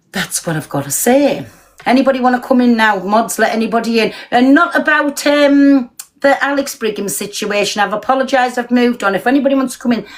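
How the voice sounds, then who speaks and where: A woman's voice: mid-range voice, low-quality recording. Woman, British accent, blunt, sweary, live-stream rant. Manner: blunt, sweary, fast-talking and confrontational. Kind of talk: ranting live stream chat.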